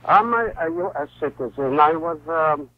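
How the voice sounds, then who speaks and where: A man in his sixties from Palestine, a guest author speaking in a halting way with many fillers and restarts. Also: a little high, expressive. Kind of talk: phone-in interview. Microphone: telephone. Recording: tinny phone line.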